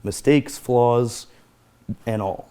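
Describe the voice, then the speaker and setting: A man's voice: mid-range voice, drawn-out words, mellow, clear, resonant tone. A man speaking as a guest therapist, explaining in an earnest conversational way and repeating his key phrases.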